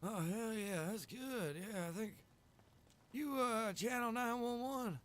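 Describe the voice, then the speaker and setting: A man's voice: sits high, slow pace, a bit bright. A man in casual roleplay chat, talking in a folksy, agreeable and encouraging way. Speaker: player in a zombie survival roleplay server.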